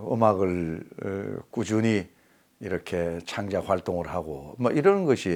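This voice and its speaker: A man's very deep, low pitch at a very slow pace, with ordinary pitch variation. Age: 60s. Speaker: singer. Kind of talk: interview answer.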